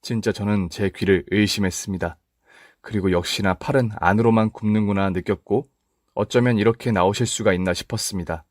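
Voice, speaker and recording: A man narrating a first-person radio story in a steady, scripted storytelling manner. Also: lowish voice, fairly quick, no room sound, studio quality.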